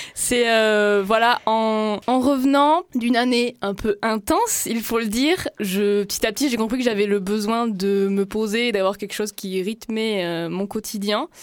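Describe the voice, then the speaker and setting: Here is an ordinary speaking voice from a woman with a fairly high pitch and ordinary pitch variation. She speaks at a fairly slow pace on a very clean recording with a silent background. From French Pyrenees. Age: 20s. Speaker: community radio presenter. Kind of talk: casual chat.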